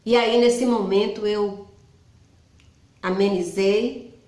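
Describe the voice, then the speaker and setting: Middle-aged woman host, mid-pitched, chatty explainer, roomy echo. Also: steady tone, slow pace, a little mellow. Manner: conversational, personal, with frequent "então" restarts. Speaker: psychology channel host. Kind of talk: informal explanatory talk.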